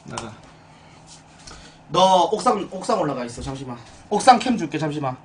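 A man's voice: on the high side, very animated, normal speed. A young man acting as a drill sergeant in a streamed comic military training, giving commands and stern corrections in a small room. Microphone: room mic a few steps away. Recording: distant room mic, music underneath.

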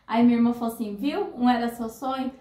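A high-pitched Brazilian woman in her thirties chats to her crochet viewers, telling a personal story with lots of feeling. Her voice rings out in an echoey room. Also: flat delivery, rapid-fire, dark tone. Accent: Brazilian Portuguese. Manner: chatty, emotional, addresses viewers as girls. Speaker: crochet channel host.

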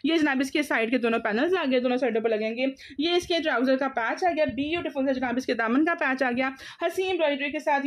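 Pakistani female live seller, high voice, overeager teleshopping pitch full of repeats and exclamations. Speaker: live online clothing seller.

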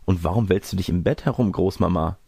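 A man's voice: low voice, fairly quick, vocal fry, a little mellow, slightly rough, dry recording, studio quality, exaggerated voice. A man voicing a naive, inquisitive young girl in a storybook tale, full of wondering questions and exclamations. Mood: innocent, curious. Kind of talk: storybook character reading.

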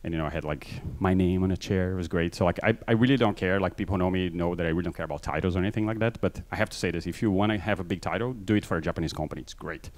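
A man with a low voice talks quickly and loosely into a handheld mic on a large conference stage, leaning on fillers and making self-deprecating asides throughout. His accent is Brazilian Portuguese, mixed from having lived in many countries.

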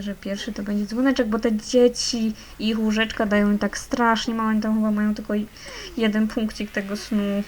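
A woman's voice: medium pitch, darkish tone, slight background noise. A young woman hosting a gaming channel, chatting casually over her play and fondly coaxing the little characters along. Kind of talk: casual let's-play commentary.

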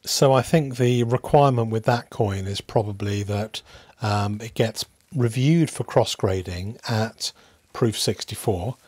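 A man hosting a hobby video in a casual, unscripted way, musing aloud with hesitant pauses. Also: on the low side, darkish tone, dry recording. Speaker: host of a coin collecting channel.

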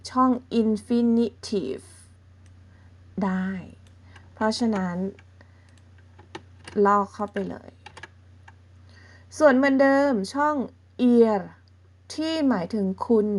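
A woman teaching a beginner language lesson, explaining patiently step by step and often checking in with her listeners. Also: fairly high pitch. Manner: patient, explains slowly and checks in with softening particles.

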